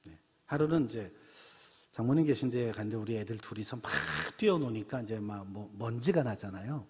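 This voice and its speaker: A middle-aged pastor from Seoul, preaching a sermon in a church in a chatty storytelling way, full of rhetorical questions. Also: male voice, on the low side, expressive, fairly quick, dark tone, husky. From Seoul, South Korea. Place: church sanctuary. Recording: long church reverb.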